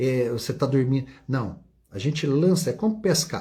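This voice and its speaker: Soft-spoken and calm in tone, a man with a dark, mellow voice talks at a moderate pace with very wide pitch swings, recorded very cleanly against a silent background. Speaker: dentist and hypnotherapist. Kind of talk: lecture.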